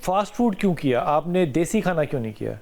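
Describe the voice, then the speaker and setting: Pakistani urdu guy hosting a religious call-in show, calm, kinda high voice, short hmms. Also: gravelly. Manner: calm, gives advice, short acknowledgements. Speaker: host.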